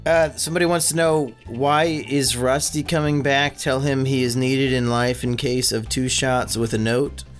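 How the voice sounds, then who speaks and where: A man's voice: medium pitch, fairly even intonation, normal speed, hardly any pauses. A man with an ordinary mid-range voice hosts a casual gaming chat from home, wry and offhand, swearing freely. A faint music bed sits underneath. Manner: wry, reads viewer questions, swears casually. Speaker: co-host.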